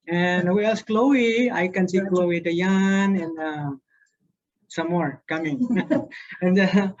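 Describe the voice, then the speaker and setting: Filipino man on a lo-fi video call. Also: high-pitched. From Philippines. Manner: halting, many fillers and restarts. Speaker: guest speaker, doctor. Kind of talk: testimony talk on a video call. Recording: dull lo-fi call audio.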